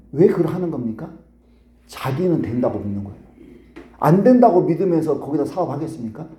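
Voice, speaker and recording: Male pastor, Sunday sermon, lively swinging delivery, mellow tone, church echo. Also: on the high side. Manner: emphatic, repeats key phrases, asks the congregation questions. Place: church sanctuary. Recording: echoey church sanctuary.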